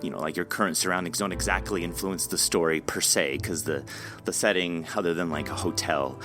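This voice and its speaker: An American man hosting a casual interview, speaking in an effusive, informal and halting way. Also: low-pitched, fairly even intonation, a bit bright, faint music behind. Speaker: podcast host.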